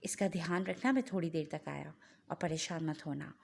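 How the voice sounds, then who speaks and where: A troubled father quietly tells his wife not to worry, voiced by a woman reading the story. His voice stays low and hushed. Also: normal speed, vocal fry. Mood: worried. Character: worried young father of a daughter.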